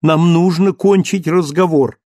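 A man voicing an earnest young husband who speaks softly, gently but firmly. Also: a little high, unhurried, dry recording, studio quality, voice pushed up. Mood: gentle, firm. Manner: soft, pleading, restrained.

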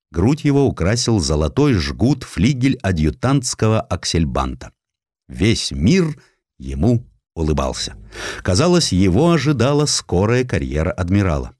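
Guy reading a history audiobook, lowish voice, really animated intonation, measured and dramatic, dry studio sound. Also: dry recording. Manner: expressive, measured storytelling with dramatic emphasis. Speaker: audiobook narrator. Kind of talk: scripted literary narration of a historical essay.

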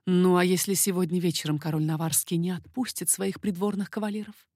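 A woman voicing an amorous, confident king in a storybook reading, lowering her voice and speaking slowly and insistently. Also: fairly even intonation, a little mellow, dry recording, studio quality, natural voice. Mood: ardent. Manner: low, slow, insistent. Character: amorous middle-aged man, a king, confident and ardent.

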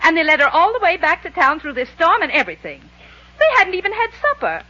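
A woman's voice: very high-pitched, wildly swooping pitch, quick pace, pushed and bright, full character voice. An actress playing an earnest, insistent middle-aged mother in 1940s radio style. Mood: earnest pleading. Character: earnest mother, pleading with her indignant husband. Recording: muffled old radio recording.

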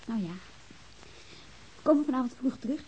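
A woman's voice: sits high, expressive, a little fast, mellow, lo-fi sound, slight background noise. An actress playing a playful young woman at home, teasing and coaxing in an informal, naturalistic radio drama style.

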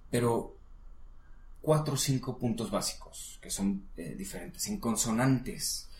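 A man's voice: on the low side, mellow. Patient man teaching pronunciation, echoey room. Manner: patient, coaching, models words slowly. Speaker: English teacher. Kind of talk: casual one-on-one lesson.

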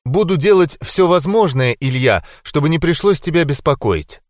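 Male reader doing a young angel wife for an audiobook: higher, soft, earnest, devoted and anxious, dry close sound. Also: animated, moderate pace, no echo, natural voice. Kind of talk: audiobook character voicing.

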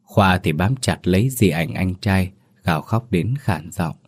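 A man with a very low voice narrates a sorrowful village ghost story. His delivery is solemn and mournful, paced like a scripted audiobook. The tone stays heavy and grave throughout. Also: lively intonation, measured pace, husky.

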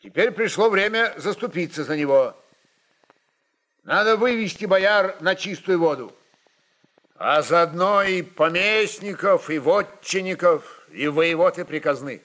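A bold Cossack chieftain from a historical radio drama, put on by a man. The voice is raised and fairly high, commanding and impatient, with halting, forceful declarations broken into short phrases. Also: expressive. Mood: forceful, uneasy.

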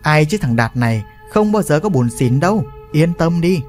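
A man's voice: on the high side, expressive, normal speed, a little mellow, soft background music, natural voice. A man voicing a brash, short-tempered young village man who talks curtly and cockily. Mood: cocky. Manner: curt, cocky.

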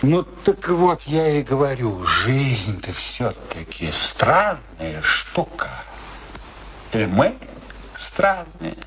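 An ageing husband, bitter and moody. His speech is slow and drawn out, and his pitch leaps and sinks as he broods. It is theatrical radio play delivery, full of grumbling philosophy. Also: big pitch swings, noisy background. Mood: gloomy. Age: older.

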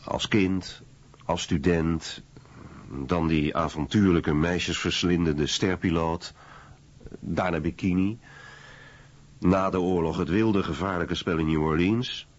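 A man reading scripted documentary narration in a husky voice. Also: sits low. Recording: dull, muffled lo-fi audio.

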